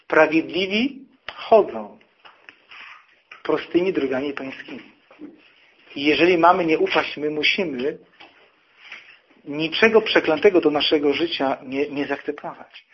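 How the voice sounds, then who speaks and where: A preacher giving a sermon, telling personal stories and acting out the people in them. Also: male voice, a little high, measured pace, long pauses, highs cut off, a little hiss or hum. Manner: storytelling, acting out quoted people.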